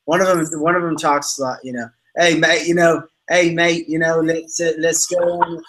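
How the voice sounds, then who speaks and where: A man's voice: a little high, flat delivery, normal speed, fairly bright tone, a little hiss or hum. A man co-hosting a casual live podcast, joking and laughing often as he chats with guests. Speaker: podcast co-host.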